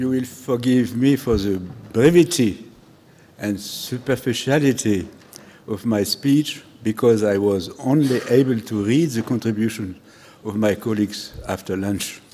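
A man with a French accent speaks at a fairly slow pace in a dark, mellow tone. Light background noise can be heard. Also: medium pitch for a man, ordinary pitch variation. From France. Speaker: theology professor. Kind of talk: academic conference response. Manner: halting. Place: hall. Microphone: lapel.

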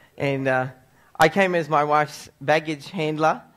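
A man at a fairly slow pace, with fairly even intonation. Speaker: guest preacher. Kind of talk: sermon. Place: church.

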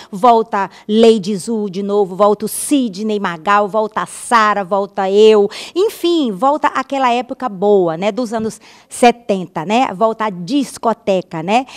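Over a quiet background, a woman speaks fairly slowly at a medium pitch with ordinary pitch variation. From Brazil. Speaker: singer; interviewee. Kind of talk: TV interview. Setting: theatre. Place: stage. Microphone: handheld.

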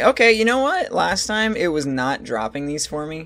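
Light background noise accompanies the man's speech. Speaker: gaming streamer. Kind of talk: casual gameplay commentary.

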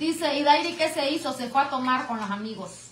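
At a moderate pace, this animated voice comes through over noticeable background noise. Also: woman. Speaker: livestream host. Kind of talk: casual chat. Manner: talkative.

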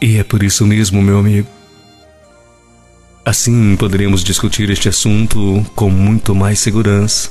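Over music in the background, a man speaks in a monotone, flat voice with long, frequent pauses. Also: moderate pace. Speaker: radio announcer and narrator of reflection messages. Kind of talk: narrated parable / motivational reflection.

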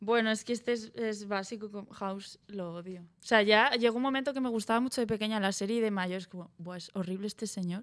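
A woman with a normal speaking voice, fairly high in pitch, at a fairly quick pace with hardly any pauses, fairly even intonation and big swings in loudness, against a quiet background. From Gandia, Valencia, Spain; Valencia, Spain. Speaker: comedian and content creator; guest. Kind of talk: casual chat. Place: studio. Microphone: studio mic.

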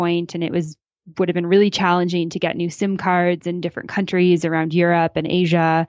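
In a Canadian accent, a woman with an ordinary speaking voice talks at a moderate pace and a fairly low pitch, the sound dry and close with no echo over a quiet background. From Canada. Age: 20s. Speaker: travel podcaster and digital nomad. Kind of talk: interview conversation.

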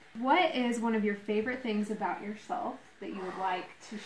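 A woman with a fairly high pitch speaks at a fairly quick pace. Audible room echo and light background noise surround her voice. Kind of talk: interview questions. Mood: warm, friendly. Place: home room. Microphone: camera far.

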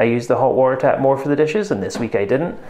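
This is a man speaking. He has a Scottish accent. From Scotland. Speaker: cooking YouTuber. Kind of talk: casual vlog talk to camera. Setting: home kitchen. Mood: wry, exasperated conclusion. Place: kitchen. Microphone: lapel.

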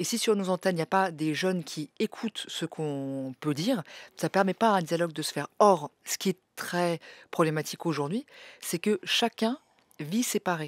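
A woman speaks at a moderate pace in a fairly low pitch with ordinary pitch variation, recorded dry with no echo against a quiet background. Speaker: public radio executive. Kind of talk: live interview. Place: studio. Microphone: studio mic.

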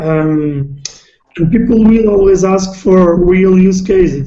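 Speaking very slowly with a Portuguese accent, a man uses a high pitch and ordinary pitch variation, with audible room echo against a quiet background. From Portugal. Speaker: BI developer; panelist. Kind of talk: video call panel discussion. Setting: phone. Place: home room. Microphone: video call.

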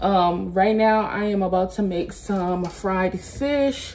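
Light background noise accompanies a woman as she talks. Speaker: vlogger. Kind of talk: casual cooking vlog chat. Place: kitchen. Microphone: phone near.

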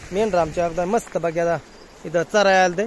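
Light background noise sits under a dry sound with no echo. A man speaks at a high pitch with fairly even intonation. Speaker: shepherd vlogger. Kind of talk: casual vlog chat. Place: waterside. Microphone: phone near.

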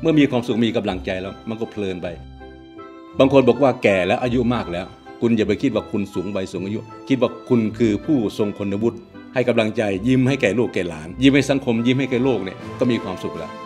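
A man talks at a medium pitch with ordinary pitch variation. Music plays in the background. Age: 70s. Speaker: voice actor. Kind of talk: interview answer.

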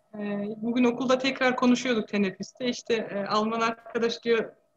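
A woman with a fairly high voice keeps her intonation fairly even and talks at a moderate pace. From Germany (Turkish-origin family, Hesse). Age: 30s. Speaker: teacher and local election candidate; election candidate. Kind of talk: interview. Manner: hesitant, many fillers. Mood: friendly, smiling. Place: home room. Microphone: video call.

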